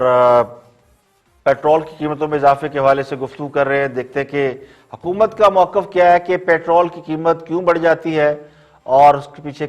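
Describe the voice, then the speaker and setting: A man delivers sharp, sardonic TV commentary as the show's host. His voice sits notably high for a man, and he stacks proverbs and lists to drive his point home. Faint music runs underneath. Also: dull audio. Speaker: talk show host. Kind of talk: opinion commentary on TV.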